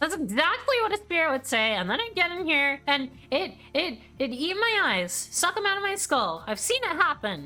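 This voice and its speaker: Clear music plays behind a high, squeaky, creaky put-on character voice. It moves at a moderate pace with very wide pitch swings. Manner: shrieking, frightened.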